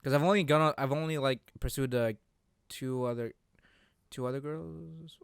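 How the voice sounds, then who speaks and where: Man, podcast host, clean smooth voice, dry close sound, halting casual talk, restarts phrases. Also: medium pitch, steady tone, dry recording. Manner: halting, repeats and rephrases himself. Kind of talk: casual chat about visual novel games.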